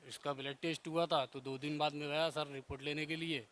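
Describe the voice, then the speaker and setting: A husband calmly retells a hospital visit in a plain, halting way, with restarts. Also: male voice, on the high side, slight background noise. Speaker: husband giving testimony. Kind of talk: casual recounting.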